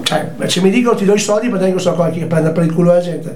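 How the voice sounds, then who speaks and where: A man with a fairly high pitch and ordinary pitch variation talks at a very fast pace over noticeable background noise and audible room echo. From Veneto, northern Italy (Schio). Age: 50s. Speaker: DJ. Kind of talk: casual interview. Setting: live radio broadcast.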